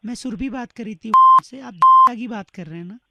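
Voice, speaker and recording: A man putting on a sweet, high-voiced female telemarketer. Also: a little fast, creaky, very noisy. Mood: pleading. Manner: pleading, keeps asking to hold. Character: polite young female telemarketer. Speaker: prank caller.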